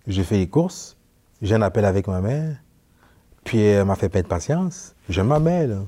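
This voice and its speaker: A man's voice: lowish voice, moderate pace. A young man from Quebec, a newly ordained priest, telling anecdotes in a casual interview and acting out the dialogue. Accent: Quebec French. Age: young adult. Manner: animated, acts out dialogue in anecdotes. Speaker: priest guest.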